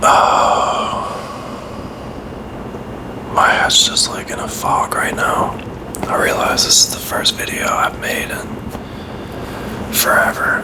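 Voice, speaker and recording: Whispering, a man speaks very slowly with long, frequent pauses. Noticeable background noise can be heard. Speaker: ASMR creator. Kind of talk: casual talk to camera.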